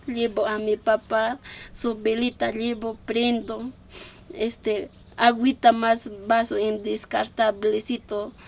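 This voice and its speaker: A middle-aged woman from the Ayacucho region with an Andean Peruvian Spanish accent, giving a halting personal testimony in simple phrasing. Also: on the high side, gravelly, darkish tone. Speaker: relative of a disappeared man, giving testimony.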